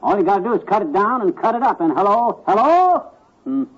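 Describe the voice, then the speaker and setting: An actor playing a blustering, grumbling middle-aged husband in a vintage radio comedy. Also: male voice, sits high, big pitch swings, brisk, a little hiss or hum. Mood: blustery. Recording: muffled vintage radio recording.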